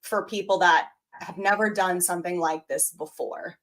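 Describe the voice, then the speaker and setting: A woman co-hosting a live podcast, talking in a lively, animated way and reading out viewer comments. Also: fairly low pitch, normal speed. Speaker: podcast co-host. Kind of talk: casual live podcast chat.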